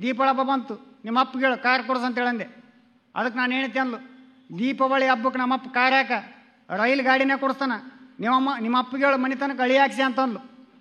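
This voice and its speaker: A man doing a standup comedy routine on stage. His voice sits very high and sounds bright and sharp. He tells stories and acts out quoted exchanges with his wife, and the hall rings with a long reverb. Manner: storytelling, acting out quoted dialogue with his wife. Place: stage before a live audience.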